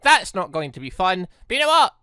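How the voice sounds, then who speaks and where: A gaming host with a bright, forward voice in a dry, close-sounding recording. The delivery is chatty and animated, moving between casual commentary and reading game text, sometimes breaking off mid-thought. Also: mid-range voice, a little fast, clean tone, dry recording.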